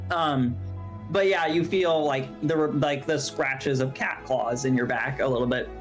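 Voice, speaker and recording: A woman's voice: very deep voice, measured pace, soft background music, poor audio. A woman narrating a tabletop game as game master, describing scenes at length with many fillers.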